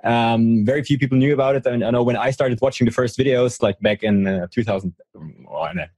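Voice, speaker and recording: A male interviewer with a husky, mid-pitched voice, recorded dry and close. He feels his way through his questions with lots of ums and quick little affirmations. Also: a little mellow, no echo. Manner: hesitant, many fillers, short affirmations. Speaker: interviewer, host.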